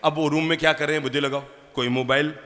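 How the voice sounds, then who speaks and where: A man, a Jain monk, giving an animated sermon full of rhetorical questions and acted-out family scenes. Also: a little high, fast talker. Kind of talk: sermon to a live audience. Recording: long hall reverb.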